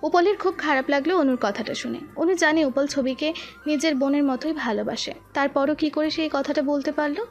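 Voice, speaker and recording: A woman narrates a romantic audio story in a high, clear voice. Her delivery is steady and expressive, with soft music playing faintly underneath. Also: brisk, highs cut off.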